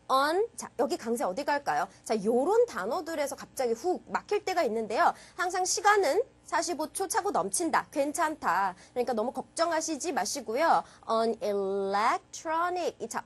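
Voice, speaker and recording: A woman teaching a lecture when she models English, speaking in a lively, sing-song way. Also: sits high. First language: Korean. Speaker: English speaking test instructor. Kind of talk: energetic lecture with model readings.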